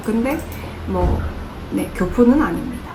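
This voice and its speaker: Over noticeable background noise and audible room echo, a woman talks at a moderate pace in a high voice. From Korea, Busan. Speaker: plant YouTuber. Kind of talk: Q&A vlog, casual talk to viewers.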